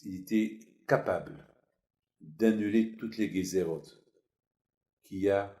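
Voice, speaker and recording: A man's voice: low-pitched, slow pace, warm tone. A man, a rabbi, giving a sermon with emphatic, repetitive phrasing. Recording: echoey room.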